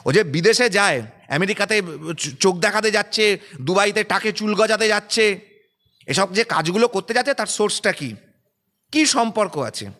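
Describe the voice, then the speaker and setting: A man with a Bengali accent speaks in a fairly high voice, firing off rhetorical challenges one after another. His statement is emphatic and combative, in the manner of a political spokesperson. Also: fairly quick, long pauses, bright, forceful tone. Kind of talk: press statement.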